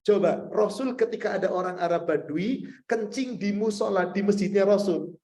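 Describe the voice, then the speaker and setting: Male preacher, high-pitched, chatty sermon style, rhetorical questions, addresses the crowd directly. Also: normal speed, a little mellow. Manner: conversational, asks the audience many rhetorical questions; addresses listeners directly as sir and madam. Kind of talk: Islamic sermon with Q&A.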